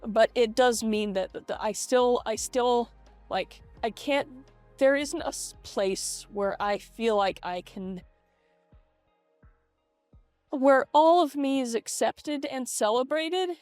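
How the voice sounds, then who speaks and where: A middle-aged woman talking casually to her vlog audience through a voice changer, reflective and halting, with repeated false starts. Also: on the high side, lively intonation, a little mellow, smooth, no room sound. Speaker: vlogger. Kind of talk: casual personal vlog monologue. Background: lo-fi video game music.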